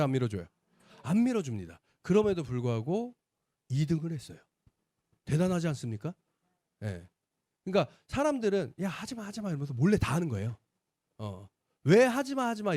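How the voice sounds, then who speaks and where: A man giving a sales seminar talk, telling his family story in an animated way and acting out the voices of the people in it. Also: a little high, no room sound. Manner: animated storyteller, acts out quoted dialogue. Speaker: business presenter.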